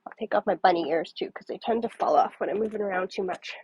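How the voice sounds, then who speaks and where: A woman's voice: mid-range voice, quick pace, darkish tone, muffled recording, slight background noise. Nasal woman with a cold. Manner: chatty, greets viewers by name. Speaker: papercrafting demonstrator. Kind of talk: casual livestream chat. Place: home craft table.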